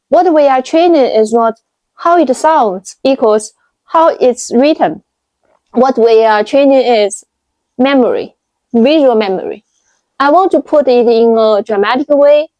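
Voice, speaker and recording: Higher-voiced Chinese-accented woman in her thirties. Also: darkish tone, no echo, low-quality recording. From China. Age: 30s. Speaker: video host. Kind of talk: explanatory talk to camera.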